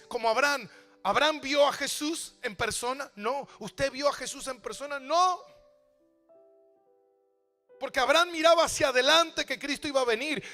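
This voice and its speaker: A man's voice: very high-pitched, sharp tone. A man pastor preaching a sermon, asking rhetorical questions and repeating phrases for emphasis. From Argentina.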